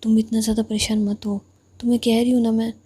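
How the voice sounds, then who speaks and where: A woman's voice: on the high side, flat delivery, quick pace, mellow, slightly rough. A woman voicing a caring older sister who soothes and scolds two quarrelling young women. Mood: soothing.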